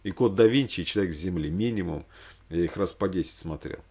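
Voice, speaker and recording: A man in his forties with a fairly low voice chats casually to the camera. He rambles as he thinks aloud, breaking off for hesitant asides. It sounds like an unscripted home vlog. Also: fast, a little mellow, breathy edge. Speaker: religious vlogger recommending films. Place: small room at home, indoors.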